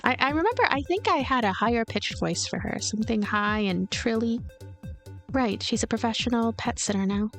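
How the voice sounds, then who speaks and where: High-voiced woman narrating a story game. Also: animated, moderate pace, fairly bright tone. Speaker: let's player reading and voicing a story game. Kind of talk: narration and casual commentary. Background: music.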